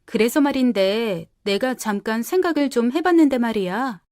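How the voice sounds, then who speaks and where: A selfish young wife full of scorn, as a woman acts her out, coaxing and sharp by turns. Her voice sits a little high, and the recording is close and dry. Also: animated, normal speed, no room sound, lightly acted. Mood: wheedling. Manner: wheedling, then shrill and defensive. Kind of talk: audio drama.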